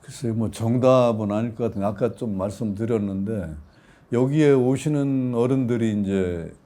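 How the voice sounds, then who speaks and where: A man in his sixties, a professor being interviewed, telling lively anecdotes and acting out quotes with laughter. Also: medium pitch, moderate pace. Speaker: professor guest. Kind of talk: conversational interview storytelling.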